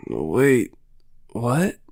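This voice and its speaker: A man's voice: medium pitch, wildly swooping pitch, very slow, creaky, a little mellow, dry recording, exaggerated voice. Man playing a cheeky young prince, dry recording. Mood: indignant, cheeky. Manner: casual, teasing. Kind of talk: fan audio drama acting.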